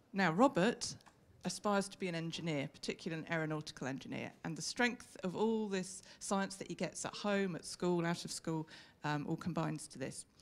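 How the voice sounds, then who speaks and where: With a British accent, a woman speaks in a fairly low voice. She moves at a fairly quick pace with ordinary pitch variation. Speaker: professor. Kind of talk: conference talk. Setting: stage with audience. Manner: fast.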